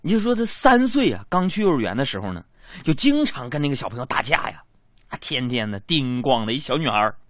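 A man's voice: medium pitch, sing-song, fast talker, fairly bright tone, dry recording. A young man performing a stand-up comedy monologue, telling chatty stories with colloquial asides and self-mocking punchlines.

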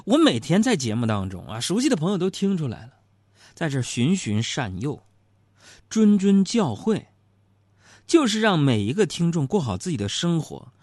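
With a noisy background behind him, the middle-aged talk show host speaks on the high side. He tells comic tales of married life in a teasing, chatty manner, playing the joking storyteller of a radio-style program.

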